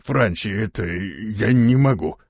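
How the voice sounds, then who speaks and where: A man's voice: on the low side, animated, slow, creaky, darkish tone, breathy edge, dry recording, exaggerated voice. Give me a man playing a whining, cowardly male companion, dry and close. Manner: whining, excuse-making.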